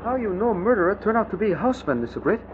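An actor playing a loyal, watchful manservant in an old radio drama, speaking clipped broken English with a put-on East Asian accent. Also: male voice, high voice, big pitch swings, very fast. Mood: curious. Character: loyal, watchful manservant and crime-fighting sidekick. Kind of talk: 1940s radio acting. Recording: old noisy, muffled radio drama recording.

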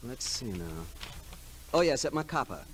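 An actor playing a polite, fussy shipping clerk, hesitant and punctilious, in a 1940s radio drama. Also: male voice, mid-range voice, big pitch swings, unhurried, slight background noise. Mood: helpful, hesitant. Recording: old radio drama recording.

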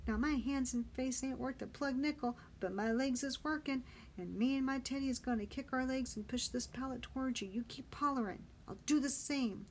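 Woman acting gruff hoarse Marine, shouting. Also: sits high, normal speed, a little hiss or hum, voice pushed up, lightly acted, poor audio. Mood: commanding, shouting. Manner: barking orders in slangy, needling talk. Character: gruff, bossy, teasing Bronx Marine man.

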